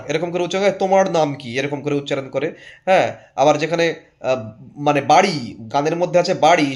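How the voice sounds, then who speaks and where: A man with a West Bengal Bengali accent teaching interview candidates in an informal spoken lesson, coaxing listeners and slowly repeating words to demonstrate pronunciation. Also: a little high. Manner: conversational and coaxing, often checks in with listeners.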